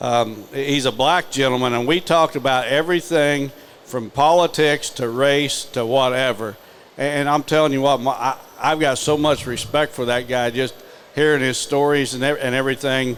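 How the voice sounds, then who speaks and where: A man speaks with an American accent at a moderate pace. His intonation stays fairly even. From US North. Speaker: podcast host. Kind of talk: live podcast before audience. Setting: live event with audience. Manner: halting.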